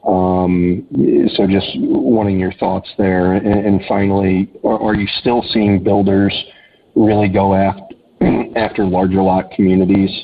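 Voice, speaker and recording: A man calling in as an analyst to an earnings call, asking questions in a halting way with stammered restarts. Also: sits low, level tone. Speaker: analyst caller. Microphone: phone. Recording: tinny phone line with faint noise.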